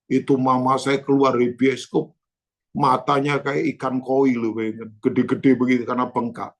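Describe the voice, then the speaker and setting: A man pastor preaching a sermon, telling stories and addressing the congregation directly in an animated way. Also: mid-range voice, moderate pace. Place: church.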